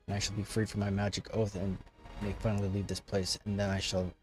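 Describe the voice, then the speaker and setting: A man acts out an ancient undead king from a fantasy game, lordly and arrogant. His speech is formal and archaic, delivered briskly with haughty disdain over music. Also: lowish voice, completely flat delivery, lightly acted. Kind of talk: reading game dialogue in character.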